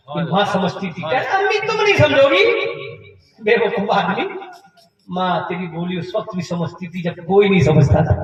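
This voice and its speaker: A man preaching an impassioned sermon to a gathering, telling stories and often rising to a shout. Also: very high voice. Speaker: Islamic preacher. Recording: echoey hall from far off.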